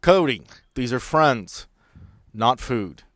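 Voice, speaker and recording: A man playing a bossy but fond, wisecracking helicopter pilot in a tabletop game, giving brisk, bantering orders. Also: medium pitch, expressive, fairly bright tone, no room sound, studio quality, pitched above the performer's own voice. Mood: briefing, wry.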